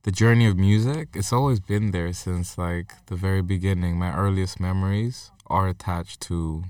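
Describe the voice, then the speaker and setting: A young man from Uganda and Sweden, a musician guest talking casually with many fillers and pauses. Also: low voice, clean tone, no echo, recorded from a distance. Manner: relaxed, hesitant, lots of fillers. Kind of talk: casual interview chat.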